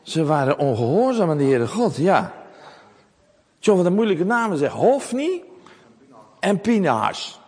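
A man telling a Bible story to children in a lively, animated way, often asking them questions. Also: a little high, normal speed, pauses often, in a large hall.

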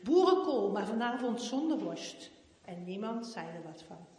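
A woman reading a children's Christmas story aloud in an expressive, animated manner. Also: mid-range voice, moderate pace, a little hiss or hum. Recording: echoey hall.

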